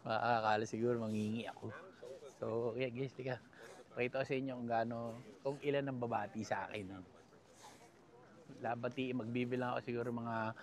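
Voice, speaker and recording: A man's voice: mid-range voice, darkish tone. A man from the Philippines hosting a casual travel vlog, joking and laughing as he talks straight to his viewers while walking outdoors along a river. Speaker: travel vlogger.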